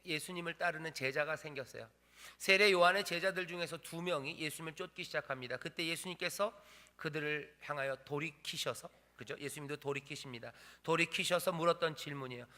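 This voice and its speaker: Korean pastor preaching in a reverberant church. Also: male voice, on the high side. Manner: emphatic preaching, repeating phrases, swinging between loud and hushed. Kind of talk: sermon. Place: church sanctuary. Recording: long hall reverb.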